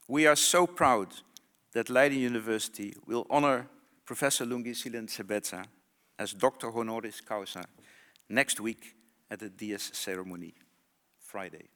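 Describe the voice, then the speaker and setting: A man who is one of the conference organizers, giving deliberate, formal welcoming remarks and announcements. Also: fairly low pitch, pushed and bright. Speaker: conference organizer, institute director. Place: conference hall.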